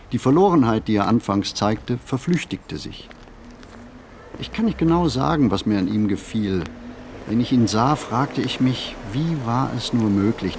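An actor playing a reflective ageing writer in a literary radio play monologue, phrasing in a measured, deliberate way. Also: male voice, lowish voice, a little mellow, a little hiss or hum. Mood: pensive. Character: reflective ageing male writer recalling a poor childhood.

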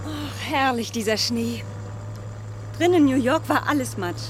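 An actress playing a lively, loyal wife of a painter in a German radio play. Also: female voice, high-pitched, unhurried, a little hiss or hum. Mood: cheerful.

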